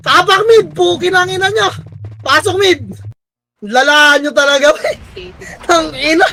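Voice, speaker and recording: A very high-pitched woman calls the shots for her team in the middle of a live game. Her voice is bright and piercing. She fires off quick orders, swears at her teammates nonstop, and often breaks into exasperated shouting. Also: poor audio. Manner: barks rapid commands and swears constantly at teammates. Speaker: team commander in an online strategy game. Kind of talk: live gameplay shot-calling.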